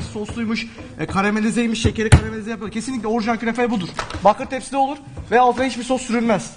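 Extremely high in pitch, a man talks at a very fast pace. Noticeable background noise is present. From Hatay, southern Turkey. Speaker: künefe cook; guest. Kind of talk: cooking demonstration. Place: studio. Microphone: lapel.

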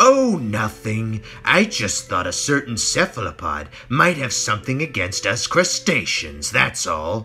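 A put-on character voice at a low-to-middle pitch. It moves at a fairly slow pace with hardly any pauses. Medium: read story. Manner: accusatory, blustering.

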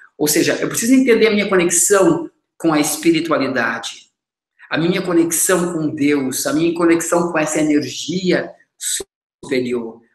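A man speaks in a high voice with lively intonation. The background is quiet, though some room echo can be heard. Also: moderate pace. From Rio Grande do Sul, Brazil. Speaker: trainer and speaker. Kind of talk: interview, personal storytelling. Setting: video call. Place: home room.

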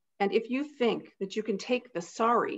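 Ordinary pitch variation from a woman speaking at a fairly slow pace. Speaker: poet. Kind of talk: poetry reading. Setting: video call. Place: home room. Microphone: webcam.

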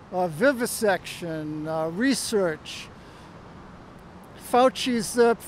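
A man is speaking. The sound is dry with no echo, over light background noise. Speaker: interviewee. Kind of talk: street interview answer. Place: street. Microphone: handheld.

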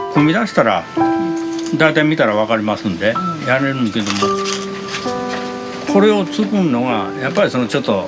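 Speech with a Kansai accent over loud background noise. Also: man. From Nara, Japan. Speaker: bamboo craftsman. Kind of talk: interview answer. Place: workshop.

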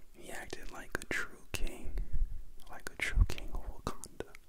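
At a fairly slow pace, a man is whispering. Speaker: ASMR creator. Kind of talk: ASMR whisper ramble, casual talk. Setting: close-mic recorder. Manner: whispered, close-mic. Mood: somber, mournful. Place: home room. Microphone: studio mic.

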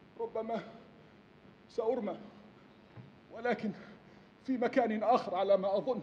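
A man's high-pitched voice at a fairly slow pace, with fairly even intonation over light background noise. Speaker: stage actor in a one-man play. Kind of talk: theatrical monologue. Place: stage.

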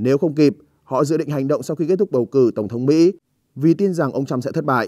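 The recording is dry and close with no echo, carrying a man's fairly high voice in a dark, mellow tone with ordinary pitch variation. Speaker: news presenter. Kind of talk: news reading. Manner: formal.

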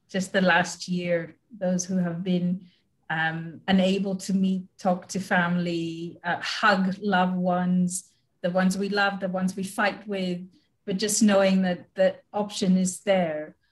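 Against a quiet background, a woman speaks at a fairly slow pace with monotone, flat intonation and a somewhat breathy sound. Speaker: moderator. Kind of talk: moderated panel discussion. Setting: video call. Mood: earnest, reflective. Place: home room. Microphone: webcam.

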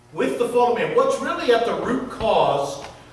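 A man's voice carries audible room echo and light background noise. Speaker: preacher. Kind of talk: sermon. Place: church.

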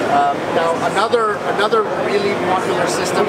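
Loud background noise under a man's speech at a moderate pace. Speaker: exhibitor salesman. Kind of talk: interview answer. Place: hall. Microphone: camera far.

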